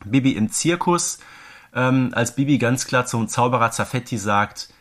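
Guy podcast host, mid pitched voice, relaxed chatty discussion style. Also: moderate pace. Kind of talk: casual discussion of an audio drama series.

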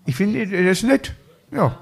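Animated comedian in his fifties. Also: high voice, unhurried, gravelly, slightly rough. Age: 50s. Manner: animated, jokey, many fillers like "ne?". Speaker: podcast host and comedian. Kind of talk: casual chat.

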